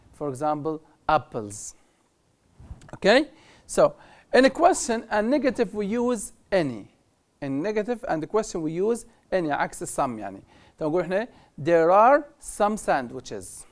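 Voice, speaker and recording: A woman with a low, slightly mellow voice and big pitch swings presents an English grammar lesson on TV, speaking with a Libyan Arabic accent. Examples come out slow and careful, while her explanations move fast.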